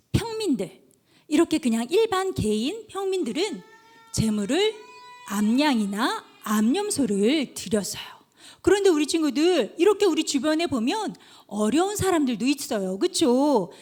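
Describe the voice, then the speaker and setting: Woman preacher, kids' sermon, high voice, very animated delivery. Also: normal speed. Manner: animated storytelling, addresses children directly. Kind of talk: children's sermon.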